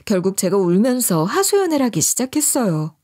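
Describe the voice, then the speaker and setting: A woman's voice: medium pitch, sing-song, a little fast, mellow. A woman narrating her own story in the first person, emotional and confiding.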